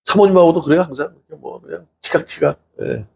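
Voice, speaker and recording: A man's voice: a little high, fast talker, gravelly, a little hiss or hum. A middle-aged male pastor giving a conversational sermon, chatting with the congregation, asking them questions and acting out little quotes. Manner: chatty, asks the congregation questions, laughs often, acts out quotes.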